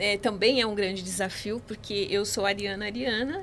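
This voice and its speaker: A woman, somewhat breathy, at a fairly slow pace. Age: 60s. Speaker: clinical psychologist and spiritual therapist. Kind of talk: testimony. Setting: podcast recording.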